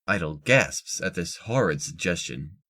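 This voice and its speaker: A man's voice: sits low, animated, unhurried, bright, forceful tone. A man reading scripted narration for an audio drama.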